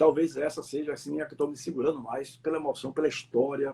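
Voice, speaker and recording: A man with a dark, mellow tone and a somewhat breathy, fairly high voice talks at a very fast pace with fairly even intonation. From Brazil. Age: 60s. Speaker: retired sports radio commentator, live show host. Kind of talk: casual interview chat. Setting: live stream. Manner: hesitant, many fillers.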